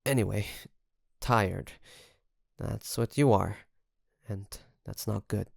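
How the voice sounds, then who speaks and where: A man's voice: on the low side, creaky, no echo, clean studio sound, heavily acted. A man playing a nervous, caring young best friend in an intimate audio roleplay, speaking hesitantly and straight to the listener. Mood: caring, teasing. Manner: hesitant, halting, soft nervous chuckles. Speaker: voice actor.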